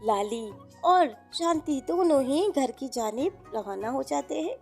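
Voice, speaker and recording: A woman's voice: sits high, animated, slow pace, gravelly, a little mellow, faint music behind. A woman narrating a children's moral story in an informal, explanatory way.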